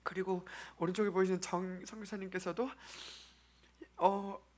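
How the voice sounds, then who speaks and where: A man from South Korea presenting an earnest mission-trip testimony to a congregation as a church member, speaking haltingly with pauses. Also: high-pitched, level tone, darkish tone.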